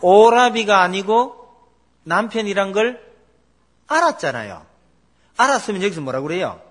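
A man's voice: high-pitched, normal speed. A middle-aged man preaching a sermon as pastor, telling stories and asking the congregation questions. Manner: animated storytelling, asks the congregation questions.

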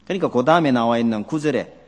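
A male pastor delivers a sermon with a swinging, expressive pitch, throwing question after question at his congregation. His voice rings out with a long reverb tail, as if recorded in a large church sanctuary. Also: very fast. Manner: asks the congregation many questions; animated, acts out quoted voices.

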